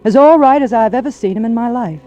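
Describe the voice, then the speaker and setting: An actress playing a devoted young wife in a 1940s radio drama, with earnest, emotional delivery. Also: female voice, on the high side, fast, warm tone, faint music behind, lightly acted. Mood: rueful narration. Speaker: radio drama lead and narrator. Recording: dull lo-fi vintage radio broadcast.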